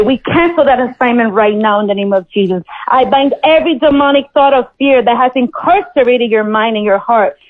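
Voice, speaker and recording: Husky woman pastor praying with authority. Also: a little high, poor audio. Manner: firm, commanding declarations. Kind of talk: fervent deliverance prayer.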